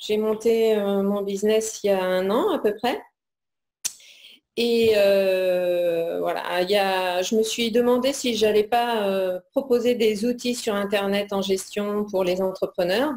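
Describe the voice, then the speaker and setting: A woman of medium pitch speaks at a very slow pace, with ordinary pitch variation and very even loudness. The recording is very clean, with a silent background. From France, Cher (near Sancerre). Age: 40s. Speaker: management consultant. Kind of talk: interview testimony.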